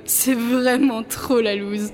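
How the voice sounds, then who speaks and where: A woman's voice: fairly high pitch, steady tone, takes it slowly, darkish tone, soft background music. A woman voicing a naive, airheaded cartoon villain's sidekick who talks in slang. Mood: clueless.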